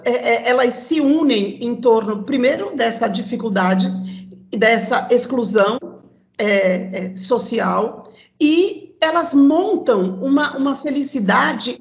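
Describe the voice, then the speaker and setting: A woman's voice: sits high, echoey room. A woman with a mixed São Paulo and Bahian accent, speaking animatedly as a guest in an interview and laughing as she tells stories. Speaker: city council candidate. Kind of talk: conversational interview.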